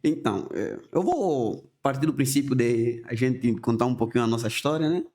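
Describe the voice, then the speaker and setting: A man from Angola with an Angolan Portuguese accent, a podcast guest who explains things in a measured way, with short pauses. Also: medium pitch, expressive, darkish tone. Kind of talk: conversational interview.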